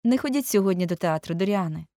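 An anxious, earnest male painter, voiced by a woman reader. He pleads and frets, pitched a little above the narrator's low voice. The sound is dry and close. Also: expressive, fast talker, warm tone, dry recording. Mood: pleading.

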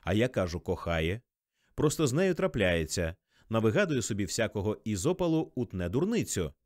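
A man's voice: fairly low pitch, very animated, moderate pace, a little mellow, no echo, clean studio sound. A man voicing a jealous wealthy husband who blusters and bullies indignantly. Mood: blustering.

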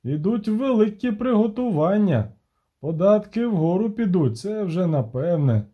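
A man voicing a shrewd, gruff male dwarf banker who talks frankly and cynically in an audiobook. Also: sits high, sing-song, a little slow, muffled recording, heavily acted. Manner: worldly, cynical, frank talker.

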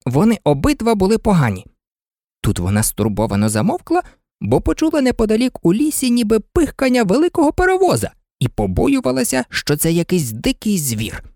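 A woman narrating a children's story in an expressive storybook reading. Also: mid-range voice, no echo, clean studio sound.

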